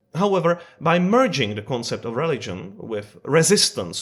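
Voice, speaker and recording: With a Czech accent, a man speaks at a high pitch and a moderate pace, his pitch swinging very widely, on a very clean recording with a silent background. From Czech Republic. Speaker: video essayist. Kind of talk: scripted narration.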